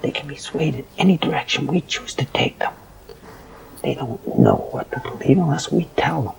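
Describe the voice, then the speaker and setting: An actor playing a cynical, fearful newsroom worker in an audio drama, cautioning and lecturing in a hushed manner. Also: male voice, a little high, lively intonation, normal speed, creaky, a little hiss or hum, low-quality recording. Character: cynical, fearful male newsroom worker who obeys management.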